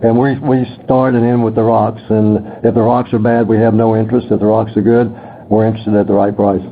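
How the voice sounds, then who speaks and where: A man speaking as a company executive, giving plain-spoken, halting answers on a conference call. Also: fairly low pitch, little pitch movement. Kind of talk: unscripted earnings call answers. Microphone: conference phone line. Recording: noisy phone-like conference call line.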